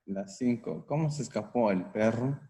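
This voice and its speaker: A man's voice: mid-range voice, lively intonation, moderate pace, warm tone. A man answering a teacher's questions in class, thinking aloud as he explains his answers. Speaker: student.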